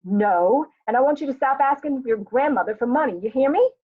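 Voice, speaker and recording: A woman's voice: mid-range voice, big pitch swings, moderate pace. A tired young mother from a stage drama, read by a woman. She is stern but loving, dry and clipped in her orders. The recording is thin and phone-like. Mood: scolding. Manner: scolding, dry, clipped commands.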